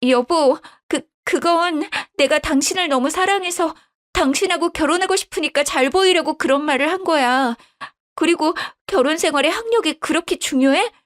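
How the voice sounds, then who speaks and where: Woman doing a whiny young wife voice, high pitched, begging in a radio story. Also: moderate pace, close to an everyday voice. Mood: defensive. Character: pleading young wife, shrill and desperate.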